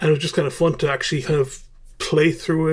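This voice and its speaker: Speaking in an Irish accent, a man sounds somewhat breathy. His pitch is fairly high and his intonation fairly even. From Ireland. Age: 30s. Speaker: podcast co-host and blogger. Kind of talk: casual chat.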